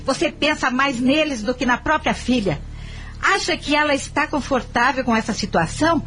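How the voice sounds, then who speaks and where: High-voiced, earnest Brazilian mother. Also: expressive, moderate pace, fairly bright tone, slight background noise. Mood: reproachful, pleading. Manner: earnest, pleading, dramatic. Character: hurt, firm, loving middle-aged mother and wife. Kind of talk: Brazilian radio soap acting.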